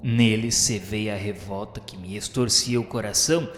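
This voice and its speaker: A man's voice: fairly low pitch, fairly even intonation, moderate pace, a bit bright, natural voice. A man playing a tormented, vengeful Jesuit officer of the Inquisition, confessing in solemn, formal, theatrical radio novela narration. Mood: grim, bitter. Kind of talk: dramatized first-person radio novela narration. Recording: echoey hall reverb, music behind.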